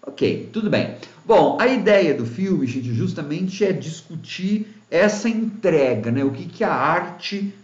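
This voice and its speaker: A man's voice: on the high side, very animated, slow, few pauses. Chatty man reviewing films. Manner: chatty, frequent tag questions and hesitations. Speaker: film reviewer, channel host. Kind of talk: casual spoken film review. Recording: echoey room, dull lo-fi sound.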